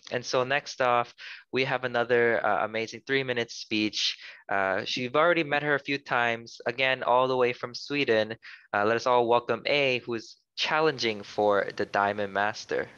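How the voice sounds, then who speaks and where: A man's voice: mid-range voice, normal speed, pushed and bright, clear, resonant tone, dry recording. A young man hosting an online seminar in an upbeat presenting style over a headset on a video call, with slightly dull audio. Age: young adult. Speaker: seminar host.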